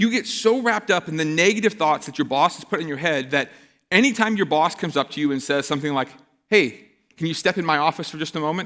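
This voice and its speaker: Fairly high in pitch, a man speaks at a very fast pace. The recording is very clean with a silent background. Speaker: pastor. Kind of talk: church sermon.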